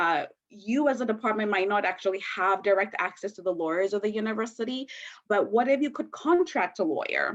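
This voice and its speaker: This woman speaks at a medium pitch. Her intonation is lively. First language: not English (third language). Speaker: counselor, conference presenter. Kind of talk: conference presentation. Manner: halting, many fillers and repeats.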